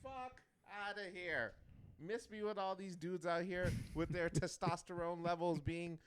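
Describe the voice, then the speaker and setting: A young man co-hosting a podcast, chatting casually in a loud, excitable and profane way. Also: high voice, measured pace, smooth. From Canada. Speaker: podcast co-host.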